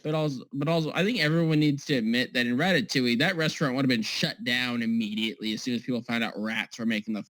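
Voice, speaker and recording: A man's voice: mid-range voice, quick pace, few pauses, a bit bright, dry recording, rough recording. A man co-hosting a casual podcast over a call, rambling and joking, often restarting and apologizing. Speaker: podcast co-host.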